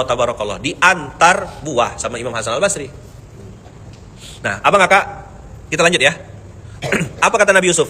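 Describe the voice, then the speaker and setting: A man preaching a lively sermon with jokes, swinging between loud emphasis and soft asides and chanting verses. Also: on the high side, a little hiss or hum. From Pontianak, Indonesia. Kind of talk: lively mosque sermon with jokes and audience banter.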